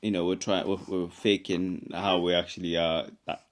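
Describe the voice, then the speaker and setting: A man's voice: low voice, flat delivery. A young father chatting casually, often stopping and restarting his sentences. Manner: halting, restarts a lot, mellow. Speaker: father, co-host. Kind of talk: casual chat.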